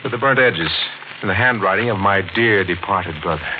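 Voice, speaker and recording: A man's voice: lowish voice, fairly quick, natural voice. A man playing a sardonic, defiant black-sheep brother in a 1940s radio thriller, clipped and confrontational. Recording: muffled, noisy 1940s radio recording.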